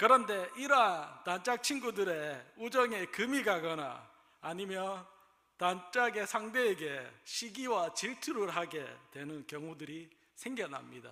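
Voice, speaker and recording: A man's high, raised and projected voice in a Busan accent, very slow, with very wide pitch swings, big shifts in loudness and noticeable background noise. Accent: Gyeongsang (Busan) dialect. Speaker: pastor. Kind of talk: sermon.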